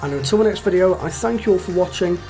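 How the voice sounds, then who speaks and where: A man's voice: high-pitched, quick pace, warm tone, faint music behind. A man giving casual game commentary as a YouTuber, chatty and full of fillers. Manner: chatty, many fillers like "you know" and "like". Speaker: gaming YouTuber.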